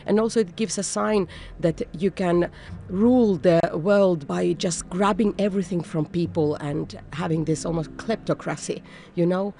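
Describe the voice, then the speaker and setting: A woman who grew up in Finland, a conductor speaking earnestly in an interview, often pausing and restarting as she searches for words. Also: lowish voice, creaky, mellow, a little hiss or hum.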